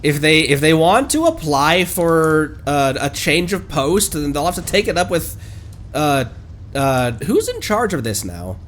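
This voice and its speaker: A man's voice: a little high, very animated, a little slow, fairly bright tone, a little hiss or hum. A man livestreaming a video game, chatting casually and thinking aloud in a rambling way as he plays. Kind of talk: casual gameplay stream commentary.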